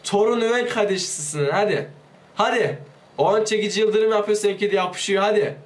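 A man giving let's play commentary, excitable, pleading with and yelling at his game character while sick, his voice liable to give out. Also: sits high, a little fast. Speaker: gaming YouTuber.

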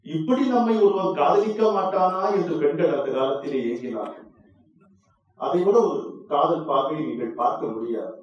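Guy giving a big formal speech on stage, kinda high voice, booming bits, echoey hall and he's far off the mic. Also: normal speed, highs cut off. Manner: oratorical and emphatic, swelling to loud passages. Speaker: speaker at an inauguration event. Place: event hall.

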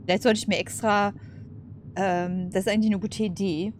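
A woman's voice: mid-range voice, flat delivery, moderate pace, a little hiss or hum. A woman hosting a let's play, chatting casually and musing aloud in informal slang. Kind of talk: casual gaming commentary.

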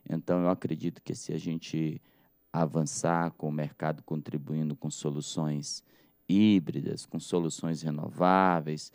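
A Brazilian man with a Brazilian Portuguese accent, an agency director giving measured formal remarks over a video call, repeating phrases and restarting often. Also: very deep voice, level tone, vocal fry, darkish tone, no room sound, clean studio sound.

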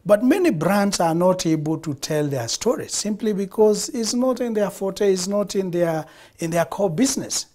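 A man's voice: high-pitched, animated, moderate pace, darkish tone. A middle-aged Kenyan man, a guest on a studio TV interview, speaking expansively and repeating phrases for emphasis. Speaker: guest, founder of a production studio. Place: TV studio set.

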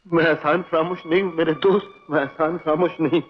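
Guy doing a loyal wisecracking pal, kinda high voice, old 60s film sound. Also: fairly even intonation, quick pace, muffled recording, faint music behind, natural voice. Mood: pleading. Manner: joking one moment, pleading the next. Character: loyal, wisecracking male family friend. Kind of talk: 1960s Hindi film acting.

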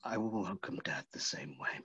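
An actor playing a dying, tormented, lonely Phantom with broken, halting delivery in a staged reading over a video call. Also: male voice, sharp tone, no echo, close to an everyday voice. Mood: weary, dying. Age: middle-aged. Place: small room indoors, video call. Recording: dull video call audio.

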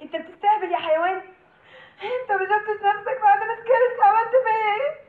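A woman's voice: very high voice, rapid-fire. An actress with an Egyptian accent playing a scheming young woman who gives orders dramatically. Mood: outraged. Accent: Egyptian Arabic. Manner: commanding, dramatic. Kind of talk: comedy film acting. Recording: tinny film audio with room echo.

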